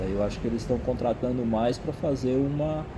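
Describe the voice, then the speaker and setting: There is noticeable background noise and audible room echo behind a man. His pitch varies in an ordinary way. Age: 60s. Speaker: human resources consultant. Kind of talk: interview. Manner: hesitant, frequent fillers.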